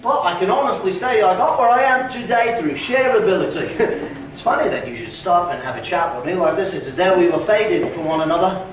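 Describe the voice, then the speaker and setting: A cheeky Cockney lad with a high, lively voice that swoops up and down as he jokes and sings. He sounds brash and hungry to get ahead. It is heard from a distance in a very echoey theatre recording, with music behind. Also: a little fast, few pauses. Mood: flirty. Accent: London Cockney.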